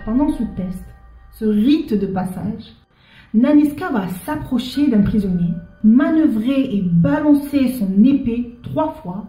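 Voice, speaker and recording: A woman presenting a history explainer, lively and speaking directly to the viewer. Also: fairly high pitch, slow, reverberant, soft background music, rough recording.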